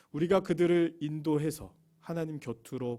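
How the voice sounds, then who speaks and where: At a moderate pace, a man speaks in a dark, mellow tone on a very clean recording with a silent background. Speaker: pastor at a military church. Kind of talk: sermon.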